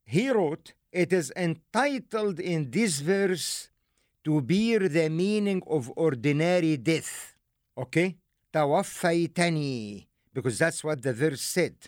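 A man from Egypt, giving a deliberate, emphatic teaching lecture with rhetorical asides. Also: on the high side, expressive, no room sound, clean studio sound. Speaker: religious lecturer.

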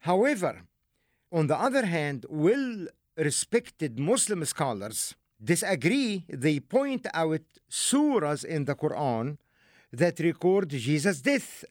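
A man from Egypt, giving a deliberate, emphatic teaching lecture with rhetorical asides. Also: a little high, very animated, dry recording, clean studio sound. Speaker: religious lecturer.

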